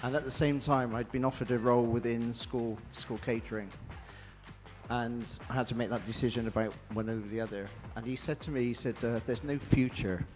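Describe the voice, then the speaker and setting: A middle-aged man with an English West Country accent gives an informal, halting acceptance speech, often repeating words. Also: medium pitch, fairly even intonation. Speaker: award winner. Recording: echoey hall, faint music.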